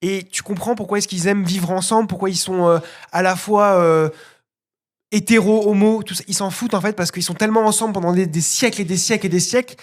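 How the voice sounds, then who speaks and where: A man's voice: sits high, steady tone. A man co-hosting a casual film podcast, telling stories with playful enthusiasm. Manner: enthusiastic storyteller, quick, playful. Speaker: podcast co-host.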